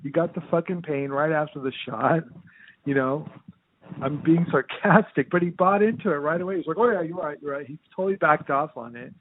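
Husky man telling sarcastic stories. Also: a little high, fairly quick. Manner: sarcastic, profane storytelling with many fillers. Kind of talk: casual chat. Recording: tinny phone-like sound.

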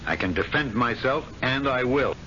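A flustered, pleading debtor. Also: male voice, mid-range voice, animated, moderate pace, bright, forceful tone, a little hiss or hum. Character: anxious, weak-willed male trust officer in debt. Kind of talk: 1970s radio drama acting. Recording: lo-fi vintage radio with faint music.

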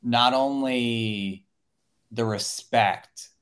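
A man's voice: mid-range voice, drawn-out words, a bit bright. A man co-hosting a podcast, thinking aloud earnestly and summing up the discussion. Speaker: podcast co-host. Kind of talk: casual podcast chat.

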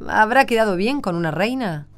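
A woman's voice: mid-range voice, animated, normal speed, close to an everyday voice. A woman speaking in a conversational radio drama style. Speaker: cast member of a religious radio show.

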